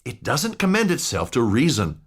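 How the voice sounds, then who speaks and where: A man voicing a middle-aged lawyer who speaks formally, measured but alarmed. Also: mid-range voice, wildly swooping pitch, breathy edge, pitched above the performer's own voice.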